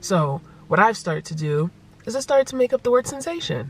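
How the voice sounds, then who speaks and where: A somewhat breathy woman's voice. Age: 40s. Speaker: vlogger. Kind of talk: casual vlog monologue. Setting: in a car. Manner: animated, moves hands a lot; occasional stuttering and word-finding pauses.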